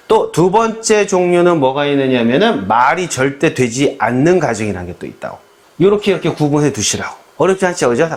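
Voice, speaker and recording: Animated male Korean grammar teacher. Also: on the high side. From South Korea. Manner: animated, keeps asking the viewer questions and acting out quoted lines. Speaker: English grammar instructor. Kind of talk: lively spoken grammar lecture.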